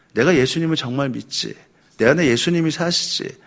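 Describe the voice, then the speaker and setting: A man at a fairly quick pace with ordinary pitch variation, in a very clean recording with a silent background. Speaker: pastor. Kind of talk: sermon.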